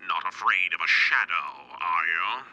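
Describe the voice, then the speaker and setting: An actor playing a suave, secretive wealthy gentleman with a smooth, urbane drawl in a 1930s-style radio drama. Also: low-pitched, normal speed, dull audio, exaggerated voice. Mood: coolly menacing.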